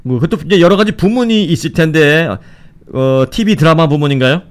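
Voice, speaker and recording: Man, radio news host, crisp resonant voice, a little high, conversational delivery. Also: lively intonation, a little fast. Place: radio studio.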